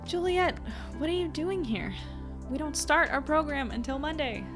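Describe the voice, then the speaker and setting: A woman's voice: high-pitched, lively intonation, normal speed, over music. A woman playing a responsible, exasperated small-town newspaper reporter in a naturalistic audio drama. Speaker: podcast drama actress.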